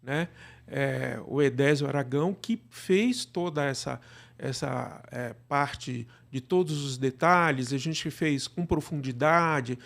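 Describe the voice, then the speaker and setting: A man's voice: mid-range voice, takes it slowly, vocal fry, a bit bright. A Brazilian man explaining things conversationally as an interview guest, often checking for agreement with little tag questions. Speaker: interview guest, radio drama director.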